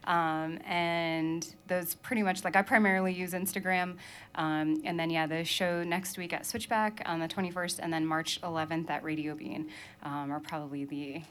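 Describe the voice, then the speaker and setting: A woman's voice: lowish voice, steady tone, normal speed, fairly bright tone. A young adult woman from Maine, a musician chatting casually in an interview, laughing often and filling her talk with "like" and "um". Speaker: musician guest.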